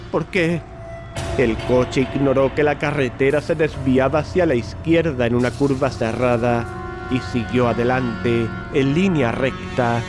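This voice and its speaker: A man reading scripted, dramatic horror narration as the narrator of an audio drama. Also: mid-range voice. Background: loud music.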